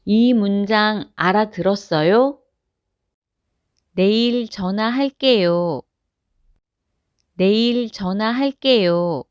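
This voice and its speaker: A woman reading short example sentences aloud, slowly and evenly, for language learners. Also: mid-range voice, clear, resonant tone, no echo, lo-fi sound. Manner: careful, evenly spaced phrase reading. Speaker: Korean phrase reader.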